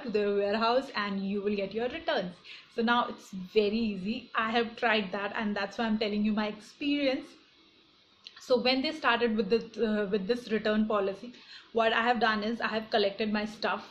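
A young woman with an Indian accent talking casually to viewers and explaining things in a vlog. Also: a little high. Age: young adult. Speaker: online shopping vlogger. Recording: dull lo-fi phone audio, clear background noise.

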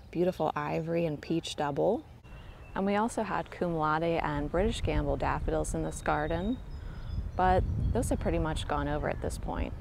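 Woman, low voice, chatty garden tour vlog, phone mic outdoors, faint ambience. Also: a little hiss or hum. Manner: gentle, enthusiastic, chatty. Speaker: garden vlogger giving a tour. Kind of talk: casual walking garden tour. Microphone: handheld phone camera, filming while walking.

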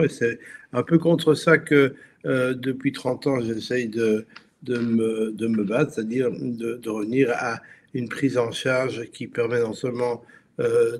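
A man born in Belgium presents slides to an online audience, and his delivery stumbles often, with restarts and fillers between phrases. He speaks over a video call with a faint noise behind him. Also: medium pitch. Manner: halting, many restarts and fillers. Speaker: guest speaker. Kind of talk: webinar presentation.

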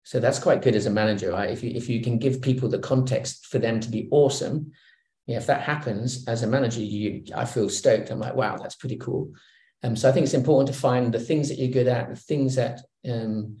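Middle-aged man in a roomy video call. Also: mid-range voice. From Hong Kong. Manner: relaxed, reflective, many fillers and restarts. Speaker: guest executive. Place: home room.

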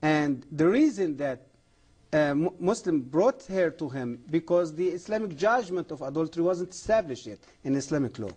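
A middle-aged man speaks as a TV guest, fervent and earnest, in halting non-native English full of restarts. His voice is husky and mellow, pitched a little above the usual for a man. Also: expressive. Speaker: guest, former imam. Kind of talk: earnest testimony on a TV program.

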